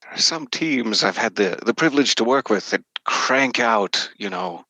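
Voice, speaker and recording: A man's voice: on the low side, animated, normal speed, bright, forceful tone, no echo, poor audio. A man chatting casually as a voice actor guest on a podcast, with wordy, playfully dramatic phrasing. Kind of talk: casual podcast conversation about audio drama work.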